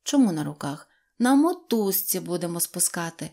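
A level-headed young mechanic boy talks things through patiently in an even voice, played by a woman. Practical and sensible. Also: lowish voice, normal speed. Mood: reasoning. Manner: calm, reasoning.

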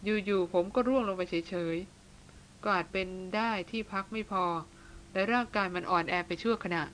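A woman reading as a weary hunter leader, shaken and subdued. He speaks slowly, pausing often, in a voice pitched a little high. A faint hiss sits under the reading. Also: fairly bright tone. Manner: slow, halting, subdued.

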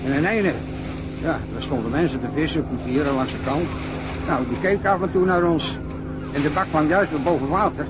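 An actor playing a gruff, irritable dredging-boat worker in a radio drama, blunt and agitated, with engine noise behind. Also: male voice, on the high side, a little fast, natural voice.

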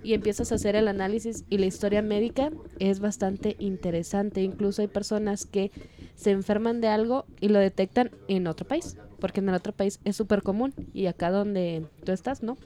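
A woman's voice: medium pitch, steady tone, normal speed, warm tone. A Mexican woman from Durango, chatting on a podcast as a therapist, explaining ideas conversationally and acting out imagined dialogue. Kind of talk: casual explanatory chat. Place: studio in Guadalajara.

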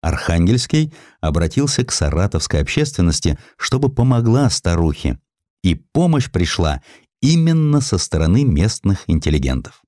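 A man's voice: low-pitched, sing-song, moderate pace, a little mellow, no echo, clean studio sound. A man narrating a historical audiobook in a dramatic, theatrical storytelling manner.

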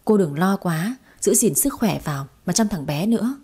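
A brisk hospital nurse played by a woman narrator in an audio story, scolding and quick with advice. The voice sits a little high, mellow and breathy. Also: expressive.

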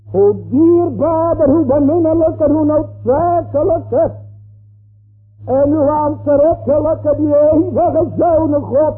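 A man preaching a slow, emphatic sermon, repeating his phrases for weight. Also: very high voice. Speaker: pastor. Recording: tinny lo-fi old sermon tape.

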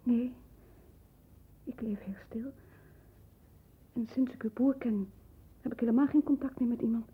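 Breathy, frightened young woman. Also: on the high side, steady tone, measured pace, pauses often. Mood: anguished pleading. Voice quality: breathy, husky. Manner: hushed, anguished, fragile. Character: frightened, devoted, lonely twenty-year-old woman. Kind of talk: 1960s Dutch radio play acting. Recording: muffled, band-limited 1960s radio recording.

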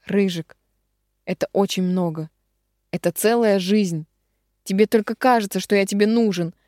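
A woman's voice: medium pitch, normal speed, dark tone, no echo, clean studio sound, lightly acted. A woman voicing a remorseful man much older than his lover, begging and apologetic, read in an audiobook. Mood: pleading. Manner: begging, apologetic, then commanding. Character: man about fifteen years older, remorseful, pleading.

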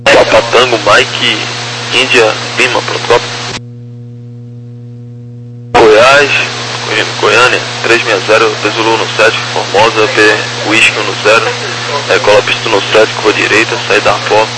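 A man's voice: fairly low pitch, flat delivery, unhurried. A Brazilian man working as an air traffic controller, giving procedural instructions over two-way radio. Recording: very noisy radio channel.

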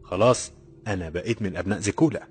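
A man doing a bold young laborer, low-voiced. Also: very fast, darkish tone, soft background music, lightly acted. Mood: joking. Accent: Egyptian. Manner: confident, teasing.

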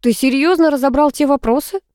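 A woman's voice: sits high, fairly quick, no echo, studio quality, voice pushed up, natural voice. A woman voicing an irritable, stubborn young female student who talks back sharply. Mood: bossy, stubborn. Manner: snappish, sharp-tongued.

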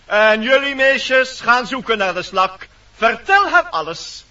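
A man's voice: extremely high pitch, expressive, unhurried, sharp tone, full character voice. A man playing a stern, self-important woodland animal leader in a radio play, speaking formally and commandingly. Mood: impatient, commanding. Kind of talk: theatrical Dutch radio play acting. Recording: dull old radio recording, distant.

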